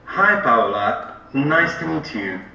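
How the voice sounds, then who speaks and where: A man plays a friendly adult man in a scripted textbook dialogue. The voice is bright and lively, and the pace is slow and carefully enunciated. It sounds dull and roomy, heard from some distance with faint ambience. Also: mid-range voice, vocal fry, a little hiss or hum, exaggerated voice. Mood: plain. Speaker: recorded course narrator and dialogue speaker. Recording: roomy, dull audio played through a speaker.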